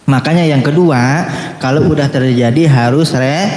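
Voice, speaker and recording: Animated preacher in an echoey hall. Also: male voice, mid-range voice, moderate pace. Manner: animated, playful, asks the crowd questions. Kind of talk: lively sermon to a live audience. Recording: echoey hall with long reverb.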